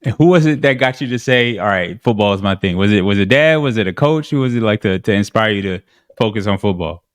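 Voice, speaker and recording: A man's voice: on the low side, animated, fast talker. A man hosting a sports pregame show, chatty and informal, firing off follow-up questions. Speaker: sports radio host.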